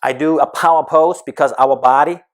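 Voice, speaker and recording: Energetic man coaching on speaking. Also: on the high side, moderate pace. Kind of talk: advice talk to camera.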